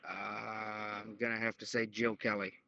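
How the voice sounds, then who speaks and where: A man's voice: fairly low pitch, completely flat delivery, unhurried, vocal fry, bright, forceful tone, slight background noise. A man taking part in a podcast quiz, answering with casual banter. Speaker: quiz contestant. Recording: dull, lo-fi online call.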